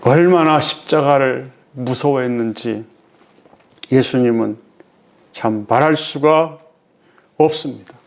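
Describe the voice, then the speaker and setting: A male pastor giving a sermon, driving his points home with rhetorical questions and swinging between loud emphasis and hushed, quiet phrases. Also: medium pitch, takes it slowly, long pauses.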